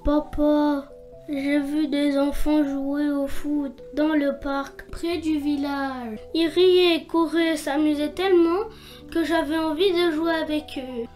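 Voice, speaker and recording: A small, hopeful ogre boy from a children's cartoon , acted out by a performer, with a high voice. He speaks slowly and politely, earnest and eager to please, over music. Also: little pitch movement, darkish tone.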